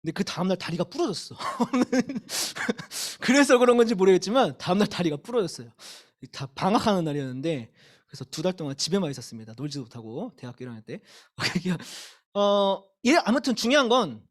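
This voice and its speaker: A woman's voice: fairly low pitch, a little fast. A young woman giving a sermon to middle schoolers in a church service, telling her story candidly and laughing at herself. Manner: candid, animated storytelling with self-deprecating laughs. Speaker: youth pastor.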